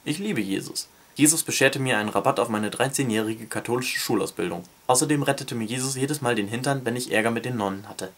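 A man who reviews books, reading a novel excerpt aloud in a steady, even narration. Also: mid-range voice, fast talker, few pauses.

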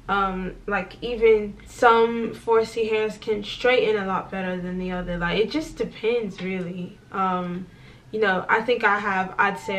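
A woman's voice: mid-range voice, distant mic. A young woman vlogging in casual chat, talking with many fillers and acted quotes, in a small indoor room. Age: young adult.

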